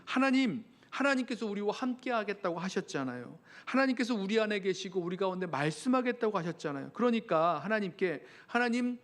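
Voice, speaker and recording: High-voiced Korean pastor preaching earnestly. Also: male voice, lively intonation, brisk, hardly any pauses, fairly bright tone. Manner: earnest preaching, pleading quoted prayers. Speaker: senior pastor. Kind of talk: sermon.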